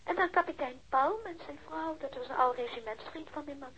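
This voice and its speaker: A woman's voice: high-pitched, a little fast, a bit bright, slight background noise. An actress playing a recently widowed woman in a radio play, subdued and polite, explaining things with some hesitation. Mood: subdued, cooperative. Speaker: radio drama actor. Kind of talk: radio play acting, dialogue. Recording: dull band-limited radio drama audio.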